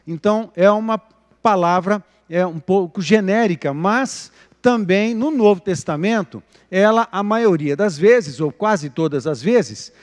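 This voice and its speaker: A Brazilian pastor preaches a live sermon in a high, light voice. He talks expressively, rising for emphasis and sinking almost to a whisper. The church gives his words a long, trailing reverb. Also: animated, a little slow.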